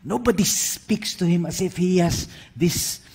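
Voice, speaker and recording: Husky Filipino-accented man preaching. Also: sits high, slow. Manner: animated storytelling, switches between English and Filipino. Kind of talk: sermon.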